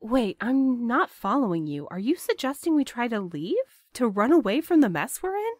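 A woman's voice: on the high side, sing-song, moderate pace, no room sound. An actress playing a drowsy, teasing, wary young woman who banters dryly in an audio drama. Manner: dry, bantering.

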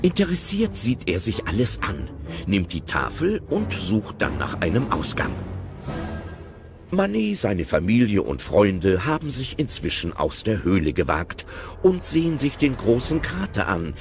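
A man narrating an audio play, describing the action in an animated storytelling way. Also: deep voice, unhurried, over music.

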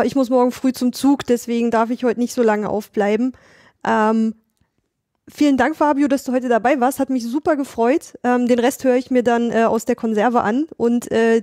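A woman's voice: on the high side, fairly even intonation, moderate pace, warm tone, no echo, clean studio sound. A woman chatting casually as a podcast co-host. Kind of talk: casual chat.

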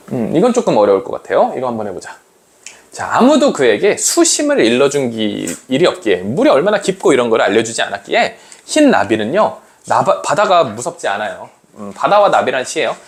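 A man teaching literature to students in a lively lecture, asking them questions and acting out quoted lines. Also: medium pitch.

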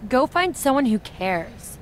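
A woman's voice: sits high, sing-song, measured pace, a little hiss or hum. A woman voicing a petulant female wrestling personality in a video game, with a bratty manner.

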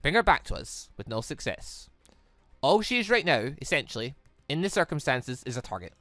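A woman voicing a calm, grave older male headmaster in a visual novel, measured, formal and halting. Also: extremely low pitch, dry recording, faint music behind, heavily acted.

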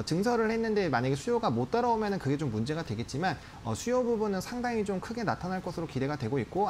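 A man's voice: on the high side, slight background noise. A man in his thirties giving live stock commentary as a TV analyst, explaining in polite formal speech. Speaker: stock market analyst on a TV show. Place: TV studio. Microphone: lapel mic.

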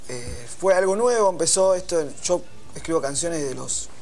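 A man in his thirties with an Argentine accent tells a story as a guest on a TV talk set. His voice is a touch high for a man and his delivery stays relaxed and conversational. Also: moderate pace, a little hiss or hum. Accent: Argentine Spanish. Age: 30s. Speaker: studio guest, composer. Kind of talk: casual chat. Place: TV studio.

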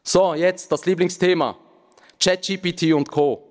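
A man in his thirties, a native Aramaic speaker, giving a relaxed conference talk from a lectern with joking asides and frequent filler sounds. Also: sits high, unhurried. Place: large conference hall, at a lectern. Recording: reverberant hall.

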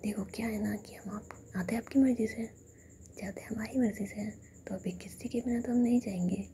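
A woman whispering the lines of a cheeky, quick-tempered young woman. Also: mid-range voice, fairly even intonation, warm tone, slight background noise, lightly acted. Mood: teasing. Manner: whispered teasing.

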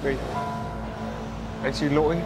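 An actor playing a young man who wants to abandon his pregnant lover, speaking quietly and apologetically. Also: on the high side, level tone, a little slow, natural voice. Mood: apologetic. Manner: subdued, apologetic. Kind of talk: TV drama acting. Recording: music score behind.

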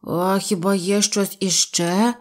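A woman's voice: mid-range voice, fairly even intonation, slow pace, close to an everyday voice. A woman voicing a greedy, good-natured male bear cub who talks eagerly and stammers, for a storybook.

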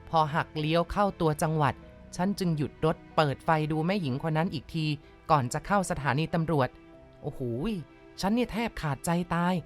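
A woman narrating a ghost story in a measured, dramatic storytelling manner. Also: on the low side.

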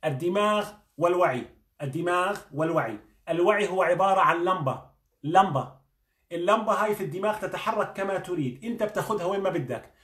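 A man's voice: high-pitched, animated, quick pace, a bit bright. A man, a doctor giving a motivational talk, earnest and coaching, firing questions at the listener. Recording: echoey room.

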